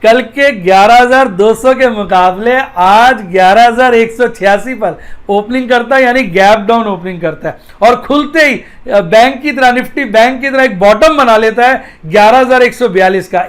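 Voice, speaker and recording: Man, very high voice, stock market commentary, playful, chatty asides. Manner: lively, playful, with rhyming asides.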